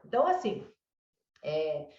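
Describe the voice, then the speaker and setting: A woman's voice: sits low, big pitch swings, measured pace. A woman with a Brazilian Portuguese accent giving a parent advice, explaining patiently and checking in with "né?" and "sabe?". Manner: warm explanatory, lots of "né?" and "sabe?". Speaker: child development consultant. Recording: roomy, distant, dull mic.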